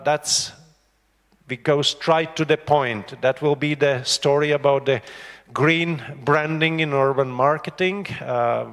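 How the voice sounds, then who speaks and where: A man's voice: mid-range voice, fairly bright tone. A man hosting a conference, giving housekeeping notes and introducing a speaker, hesitant with many fillers and light humor. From Latvia. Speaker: conference host. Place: conference room. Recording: reverberant conference hall.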